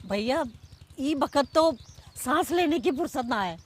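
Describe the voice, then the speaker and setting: A woman's voice: high-pitched, expressive, measured pace. A woman playing an overworked village grain roaster in a rural drama, protesting in flustered, repetitive rustic speech. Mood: harried, placating. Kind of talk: Hindi rural period drama acting.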